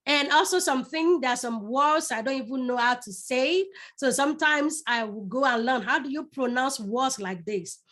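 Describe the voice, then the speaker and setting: Nigerian woman coaching with a high voice. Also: moderate pace, hardly any pauses, a bit bright. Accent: Nigerian Yoruba. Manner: repeats words for emphasis, addresses the audience directly. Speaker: public speaking coach. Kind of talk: live online masterclass.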